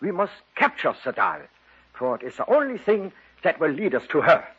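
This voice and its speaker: A man's voice: a little high, wildly swooping pitch, normal speed. An actor playing a formal, authoritative male occult doctor in a 1950s radio drama, on a dull old broadcast recording. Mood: grave.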